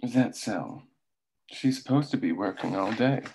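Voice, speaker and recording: A man's voice: lowish voice, animated, moderate pace, darkish tone, a little hiss or hum, rough recording. A man voicing a cool, formal male company man at a table read. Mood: cold.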